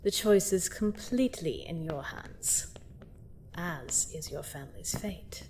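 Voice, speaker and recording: A woman's voice: lowish voice, takes it slowly, noisy background. A woman playing a seductive, gloating vampire queen in a fantasy audio drama, theatrical and mock-sweet as she menacingly toys with her captive. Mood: smug insistence. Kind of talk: scripted roleplay audio drama monologue.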